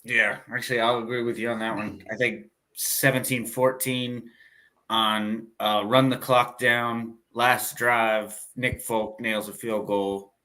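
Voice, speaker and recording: Man, mid pitch, bright forward tone, joking podcast banter. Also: level tone, rough recording. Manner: jokey, quick to laugh. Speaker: podcast co-host. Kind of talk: casual sports chat.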